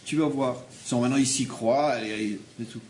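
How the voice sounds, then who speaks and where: A man from France, giving a Torah class, animated and repeating phrases as he makes his points. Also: medium pitch, moderate pace, background noise. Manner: animated, repeats phrases, acts out quoted people. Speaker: religious teacher. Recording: roomy room with faint background ambience.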